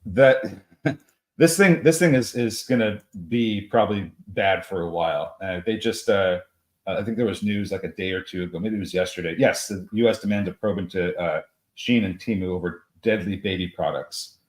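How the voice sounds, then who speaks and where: A man co-hosting a live trading show, talking through price targets in a halting way with many fillers and restarts. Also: low voice. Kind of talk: live market commentary.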